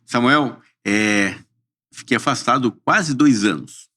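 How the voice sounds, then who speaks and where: A man, a podcast guest speaking in a measured, earnest way. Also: medium pitch, bright, forceful tone. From southern Brazil. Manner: measured, earnest, often says "perfeitamente". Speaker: interview guest. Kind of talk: interview chat.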